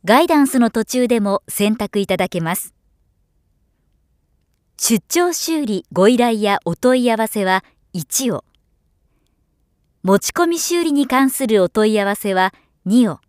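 A woman giving scripted narration as a professional voiceover artist, with a measured, polished delivery. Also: fairly high pitch, animated, dry recording, studio quality.

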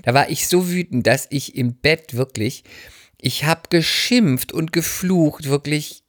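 A man's voice: a little high, a little slow, a bit bright, dry recording, clean studio sound. A man from the Palatinate, co-hosting a podcast, who tells stories animatedly and dramatically with self-mocking humor. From Palatinate, Germany. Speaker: podcast co-host. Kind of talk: casual chat.

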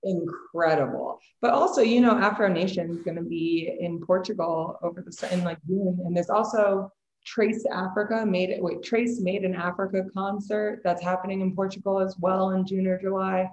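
A woman's voice: medium pitch, steady tone, moderate pace, hardly any pauses, a little mellow, lo-fi sound. A woman hosting a podcast in casual, enthusiastic and emphatic chat, peppering her sentences with filler words. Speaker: podcast host. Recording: echoey room.

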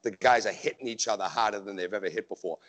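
A man's voice: fairly low pitch, quick pace, a bit bright. A man about to turn forty in casual chat, emphatic and opinionated, building his points in lists. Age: 30s. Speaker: podcast co-host.

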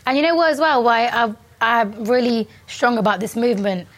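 A woman's voice: a little high, expressive, fairly quick. A confident young woman speaking forthrightly as a guest in a casual interview. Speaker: guest, agency founder. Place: Dubai.

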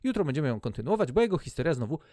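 A man's voice: a little high, very animated, racing, dark tone, no echo, clean studio sound. A man giving a casual, joking Bible teaching, retelling the story in colloquial storyteller style.

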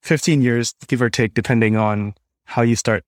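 A man's voice: mid-range voice, fairly even intonation, normal speed, no echo, clean studio sound. A man from Singapore speaking as a podcast guest, explaining tech in a conversational interview style. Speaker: podcast guest, developer experience lead.

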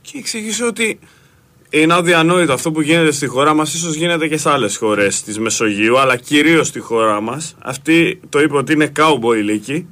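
A man's voice: a little high, lively intonation, fairly bright tone. Indignant male radio caller.

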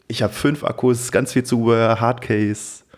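A man's voice: mid-range voice, steady tone, moderate pace. A man co-hosting a podcast, chatting in an enthusiastic, informal way. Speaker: podcast co-host and hobby drone pilot. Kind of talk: casual podcast chat.

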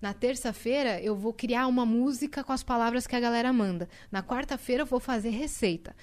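A young woman guest on a podcast in a studio, telling lively stories and laughing often. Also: on the high side, fairly quick. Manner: lively storyteller, laughs a lot. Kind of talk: casual podcast chat.

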